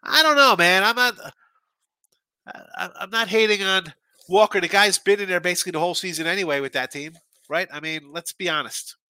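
A man with a stuffy, congested nose hosts a live sports betting stream, chatting loosely through viewer comments and picks. His voice is very bright and edgy, and the recording is dry and close with no room sound. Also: high voice, a little fast, clean tone, no room sound. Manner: chatty and loose, with frequent restarts and asides. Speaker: sports betting show host.

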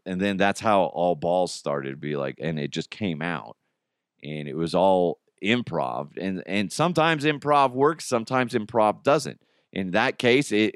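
A man's voice: on the low side, clean tone, dry recording, studio quality. A man hosting a podcast in casual, rambling talk, his voice a little strained. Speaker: podcast and radio host.

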